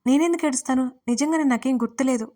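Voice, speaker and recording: A woman's voice: high voice, racing, warm tone, voice pushed up, natural voice. Brief: anxious, stubborn young wife, read by a female narrator; raised, protesting tone.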